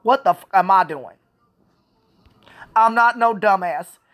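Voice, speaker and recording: A woman's voice: mid-range voice, animated, unhurried, a bit bright. A woman talks straight to her camera in a vlog, letting off steam. Her delivery is frustrated and repetitive, and she swears freely as she circles back over the same complaints. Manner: frustrated, repetitive, profane ranting. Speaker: Special Olympics athlete. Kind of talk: venting vlog monologue.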